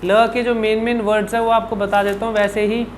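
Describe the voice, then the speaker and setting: A man's voice: high voice, level tone, fairly quick, background noise. A man working as a speech coach, answering viewer questions in an instructional video and demonstrating each sound by repeating syllables and words. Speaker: speech and public speaking coach.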